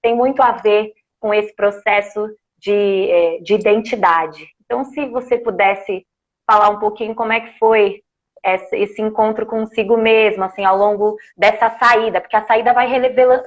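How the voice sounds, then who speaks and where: A woman hosting a live interview, thinking aloud with frequent pauses and restarts as she frames her questions. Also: mid-range voice, fairly even intonation, highs cut off. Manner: thinks aloud with many hesitations. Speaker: host.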